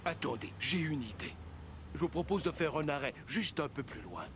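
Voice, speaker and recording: A man's voice: on the high side, expressive, moderate pace, background noise, close to an everyday voice. An actor playing a good-humored older grandfather in a French cartoon dub, easygoing and chuckling. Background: background music.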